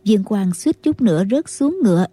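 A woman narrating a martial-arts novel as an audiobook, in a steady storytelling manner. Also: mid-range voice, normal speed, no room sound.

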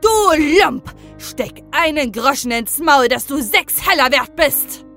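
A woman voicing a loud, wailing old peddler. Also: medium pitch, moderate pace, soft background music, close to an everyday voice. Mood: loud lament. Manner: loud, lamenting outbursts. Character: wailing, quarrelsome old peddler man with a goat beard. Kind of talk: audiobook fairy tale.

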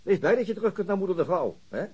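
Husky, weary police detective, brisk delivery. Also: male voice, sits high, very animated, darkish tone, lo-fi sound, full character voice. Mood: dry, weary. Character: weary, laconic, stubborn male police detective. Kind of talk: Dutch radio drama acting.

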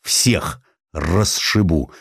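Man as a low, gruff, scolding governor. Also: very slow, dry recording, exaggerated voice. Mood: stern scolding. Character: gruff, bullying provincial governor, former sailor, scolding.

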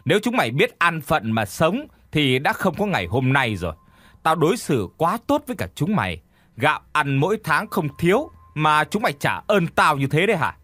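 A man's voice: medium pitch, big pitch swings, moderate pace, fairly bright tone, dry recording. A man voicing a cruel old landlord who sneers and insults his captive in an audio story. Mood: contemptuous.

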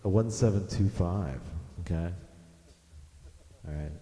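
A man's voice: low voice, takes it slowly, mellow. A man casually chatting and joking between music attempts, rambling a bit. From Illinois. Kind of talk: casual chat while jamming. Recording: roomy echo with long reverb. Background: faint music and drums.

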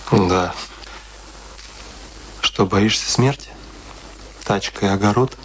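An actor in a radio play playing a firm, blunt family friend, measured, dry and commanding. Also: male voice, lowish voice. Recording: noisy radio play recording with clicks.

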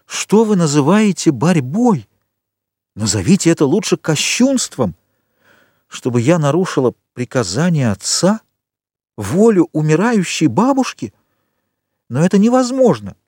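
A distressed young noblewoman, as a male narrator puts her on, proud and close to tears. Her voice sits higher than the reader's own and climbs on every protest, pleading and indignant by turns. Dry, close audiobook sound. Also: very animated, a little slow, long pauses, a little mellow, breathy edge, dry recording, full character voice. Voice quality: raised, pleading tone.

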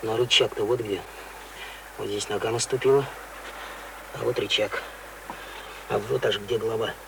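Practical, wary village accomplice for radio drama: low, gravelly, off-mic, noisy tape. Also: male voice, steady tone, moderate pace. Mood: cautious. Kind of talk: Russian radio play acting. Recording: distant, noisy radio recording.

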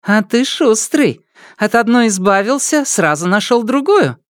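A shrill, scornful teenage girl, put on by a male narrator, spits mocking insults in a high, swooping voice that leaps all over its range. She sounds spoiled and furious. The dry, close recording keeps every sneer in your ear. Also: very animated, unhurried, dry recording. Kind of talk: audiobook character voice.

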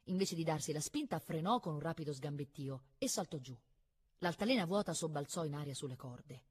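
Woman calmly reading a novel aloud. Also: low voice, husky. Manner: calm, measured narration. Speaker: reader.

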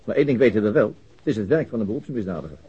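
A man playing a sober, methodical police detective in a radio drama, reasoning in a deliberate, matter-of-fact way. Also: lowish voice, expressive, dark tone, slightly rough. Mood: earnest, reasoning. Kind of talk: Dutch radio drama acting. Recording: dull, lo-fi radio drama recording.

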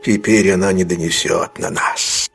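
A man voicing a brutal, desperate male robber with a slow, threatening delivery. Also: low-pitched, steady tone, gravelly, a bit bright, faint music behind, voice pushed down, heavily acted. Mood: menacing.

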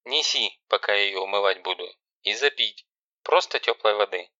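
A man voicing a stern, sarcastic older sister who gives loud, harsh commands. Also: fairly low pitch, moderate pace, no echo. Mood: harsh commanding. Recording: dull lo-fi recording.

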